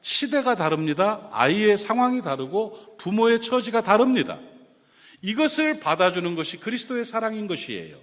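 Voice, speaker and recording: A man from South Korea preaching a sermon as pastor, animated and often questioning the congregation. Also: sits high, normal speed. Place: church sanctuary. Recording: reverberant church hall.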